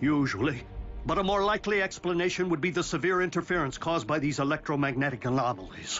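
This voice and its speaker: In a cartoonish character voice at a fairly high pitch, a man talks at a very fast pace over clear background noise. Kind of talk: animated series drama. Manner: clipped, matter-of-fact.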